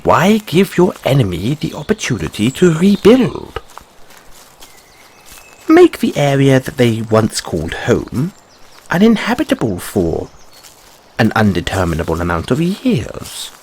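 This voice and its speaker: Give the listener a curious white rabbit boy from a fantasy roleplay. The pitch leaps and dips wildly from phrase to phrase. The voice is husky and breathy, with fussy, theatrical musing and quaint little questions. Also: huge pitch swings, measured pace, a little mellow, full character voice. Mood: musing, inquisitive.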